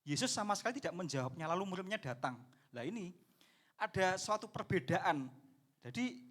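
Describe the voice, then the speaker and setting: A male pastor preaches to his congregation quite quickly, his high-pitched voice carrying a lilt. He speaks animatedly, acts out the people in his story, and calls his listeners "saudara."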